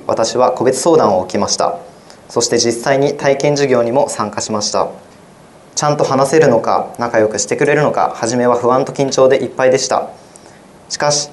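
A teenage boy reads out his own essay for a radio program. His voice sits at an ordinary pitch, and he delivers each sentence in an earnest, measured way. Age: teens. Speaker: high school student.

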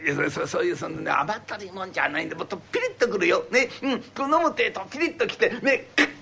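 A man's voice: high voice, animated, very fast, gravelly, pushed and bright, full character voice. A man voicing a fond, sake-loving old merchant father who coaxes and stammers, in a rakugo story. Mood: wheedling, flustered. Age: older. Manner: coaxing, stammering, whiny pleading.

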